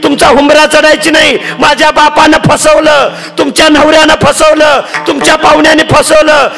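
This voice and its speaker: A male preacher voicing a hysterical young wife who shrieks out her complaints in a high, strained voice. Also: flat delivery, moderate pace, vocal fry, heavily acted. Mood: panicked. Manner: shrill, shouted complaining.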